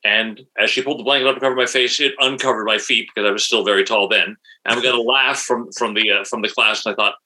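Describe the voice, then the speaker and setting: A man's voice: on the low side, steady tone, fast, few pauses, pushed and bright, rough recording. A man in his sixties from New Jersey, a guest on an interview podcast, talking casually with many fillers and restarts. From New Jersey, USA. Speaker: podcast guest, actor and author.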